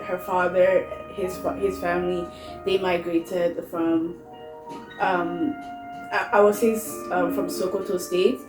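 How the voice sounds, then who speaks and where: A woman in her twenties with a Canadian accent, chatting casually in a vlog and pausing often as she thinks. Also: lowish voice, level tone, roomy sound, music in the background, rough recording. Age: 20s. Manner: unhurried, thoughtful, with frequent pauses and fillers. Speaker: vlogger. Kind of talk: casual chat.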